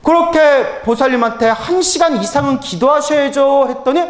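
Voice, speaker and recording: A man's voice: extremely high pitch, normal speed. A male Buddhist monk giving a humorous dharma lecture, telling stories with acted-out dialogue and frequent laughter. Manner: lively storytelling, acts out dialogue, laughs often. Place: temple lecture hall. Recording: roomy hall.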